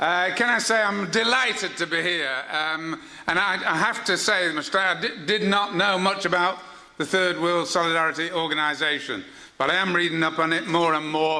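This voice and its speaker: A high-pitched man with a Yorkshire accent and ordinary pitch variation, amid noticeable background noise. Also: moderate pace. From Yorkshire, northern England. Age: old. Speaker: retired trade union leader. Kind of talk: after-dinner speech. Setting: dinner event with audience.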